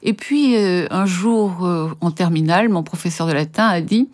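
Low-voiced woman, articulate storyteller. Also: normal speed. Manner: articulate, lively storytelling with hesitations. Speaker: literary translator guest. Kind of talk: reflective interview answers.

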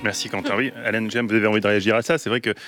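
A man hosting a radio food show, reading smooth links and asking the guest questions. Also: fairly low pitch, level tone, rapid-fire, loud music behind the voice. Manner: smooth scripted links, short backchannels. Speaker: radio host.

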